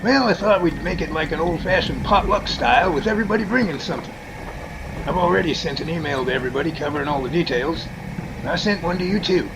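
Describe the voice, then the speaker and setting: A man's voice: a little high, quick pace, gravelly, background noise. A man playing a friendly but skeptical, mildly condescending organizer in an amateur audio drama. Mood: businesslike.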